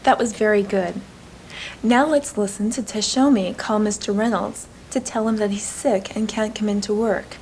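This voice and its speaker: A woman narrating an English lesson in a clear, measured teacher's delivery. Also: mid-range voice, steady tone, a little mellow, slight background noise, rough recording. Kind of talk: scripted instructional narration.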